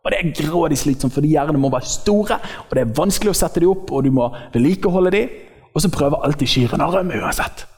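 Lively, joking male preacher in a reverberant hall. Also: fairly high pitch. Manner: lively, joking, acts out quotes in slangy speech. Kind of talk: informal sermon.

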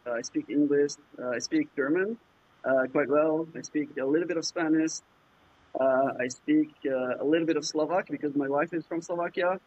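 A man from Jordan whose first language is Arabic, answering interview questions in a halting way, with many fillers and restarts. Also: fairly high pitch, darkish tone. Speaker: startup founder, guest. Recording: muffled lo-fi remote audio.

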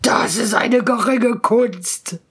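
A proud, menacing spirit sealed in a bottle calls out in slow, stretched, loud words, as a woman puts him on. His voice has a gravelly edge. Every word is drawn out. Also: a little high, exaggerated voice. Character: arrogant male spirit trapped in a bottle.

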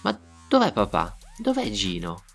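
Gualtiero is an eager young time traveller whose voice leaps high as he pleads and exclaims, performed by a male storyteller. The voice has a gravelly edge, with soft music underneath in this audio storybook. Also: a little slow, heavily acted. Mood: pleading. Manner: excited, pleading, voice jumps high.

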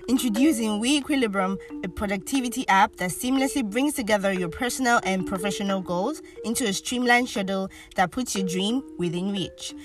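A woman's voice: mid-range voice, a little fast, hardly any pauses, far from the mic. A woman voice-over artist reading scripted advertising copy. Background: music.

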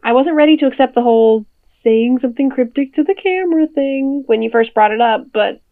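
A woman's voice: sits high, brisk, dry recording. A woman playing a playful, curious friend in an audio drama, talking casually over a phone call. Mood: keen, helpful. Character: amused, curious female friend helping a man investigate. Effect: phone call filter. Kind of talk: naturalistic audio drama dialogue. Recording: tinny, band-limited phone line.

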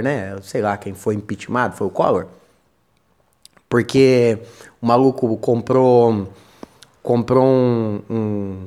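A man's voice: mid-range voice, darkish tone. A Brazilian man hosts a loose, comedic podcast monologue, wandering from point to point. He trips over his words and repeats them as he goes, and keeps a joking tone throughout. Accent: Brazilian Portuguese. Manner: rambling, stumbles and repeats words, jokey. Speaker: podcast host.

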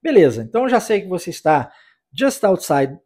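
Male podcast English teacher, high husky voice, patient explainer who drills phrases. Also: very animated, moderate pace, a little mellow. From United States. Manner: explanatory, repeats phrases for the listener to practise. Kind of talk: podcast language lesson.

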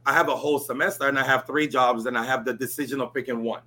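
Bright-voiced man in his forties, from Ghana. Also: mid-range voice, fairly even intonation, fast talker. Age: 40s. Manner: chatty, frequent "you know" and "right?". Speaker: interview guest. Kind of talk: casual storytelling interview.

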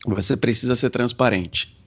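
A man coaching on communication as a podcast guest, explaining in a deliberate way and demonstrating changes in his own pitch and pace. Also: crowd noise.

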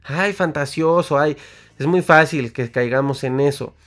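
A man's voice: a little high, measured pace, a bit bright. Slangy Mexican man giving a pep talk. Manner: colloquial, slangy, acts out quotes. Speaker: motivational speaker. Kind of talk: casual motivational talk.

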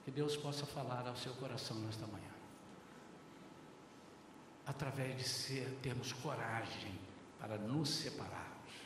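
An older man with a Brazilian Portuguese accent, preaching a sermon as a pastor, lively and acting out conversations while calling the congregation brothers. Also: mid-range voice, unhurried, long pauses, noisy background. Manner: lively, acts out dialogues, often addresses the congregation as brothers. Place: large church hall. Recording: very echoey hall, heard from far off.

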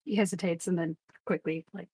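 Casting: woman player, close dry mic, quick amused asides. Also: on the low side, steady tone, mellow, breathy edge, dry recording. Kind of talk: casual tabletop play.

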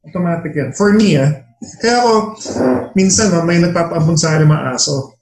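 A Filipino man in a roomy, echoing space chats casually, mixing Tagalog and English mid-sentence. His slightly high male voice moves between opinions and anecdotes. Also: fast talker, darkish tone, slight background noise. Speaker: veterinarian guest.

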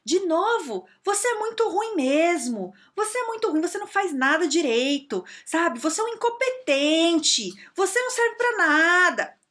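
A woman's voice: very high voice, racing, few pauses, voice pushed up. A woman with a Brazilian Portuguese accent voicing a contemptuous male boss who scolds and belittles an employee in a raised voice. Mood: scornful.

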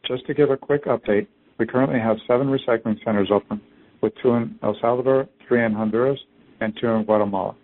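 A man's voice: medium pitch, fairly even intonation, quick pace. A man reading a scripted business presentation as a company executive on an earnings conference call. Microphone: conference call phone line. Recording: narrow tinny phone-line audio.

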